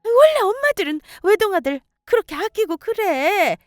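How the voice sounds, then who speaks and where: A woman voicing a tearful older mother-in-law who pleads in a high, wailing voice. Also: big pitch swings, moderate pace, dry recording, clean studio sound, faint music behind. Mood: coaxing.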